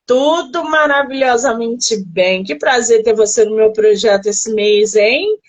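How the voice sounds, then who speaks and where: A woman's voice: a little high, measured pace. Effusive Carioca woman hosting a live chat. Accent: Carioca Brazilian Portuguese. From Rio de Janeiro, Brazil. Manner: effusive, chatty, exclamatory. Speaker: interview host of a literary livestream. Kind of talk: casual livestream interview. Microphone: phone livestream.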